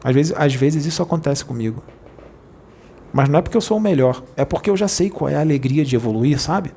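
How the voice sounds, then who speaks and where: A man with a Brazilian Portuguese accent, a spirit medium preaching informally in a playful, jokey way that rushes over his words. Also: fairly high pitch, animated, dark tone, slight background noise.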